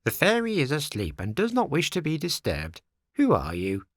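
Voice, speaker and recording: A man voicing a large female snail in a storybook, calm, peaceful and never in a hurry. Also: a little high, moderate pace, dry recording, studio quality, voice pushed up. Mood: inquiring. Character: large female snail servant, calm, slow, unhurried, motherly.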